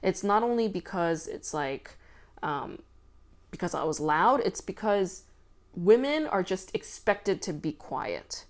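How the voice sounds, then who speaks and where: A woman hosting a podcast, talking loudly and casually with lots of fillers. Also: lowish voice, big pitch swings, slow. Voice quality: loud voice. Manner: chatty, filler-heavy with frequent "like" and swearing. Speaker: podcast host. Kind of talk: casual commentary monologue.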